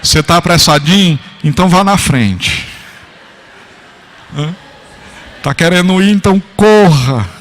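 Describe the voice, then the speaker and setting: A man's voice: high-pitched, lively intonation, unhurried, long pauses, fairly bright tone, slight background noise. Man doing a wry, nearly hundred-year-old pastor. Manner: wry, teasing. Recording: church hall reverb.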